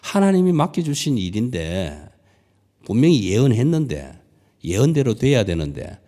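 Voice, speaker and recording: A male pastor giving a sermon in a church, animated and dramatic, often dropping to near-whispers. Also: mid-range voice, moderate pace. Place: church sanctuary.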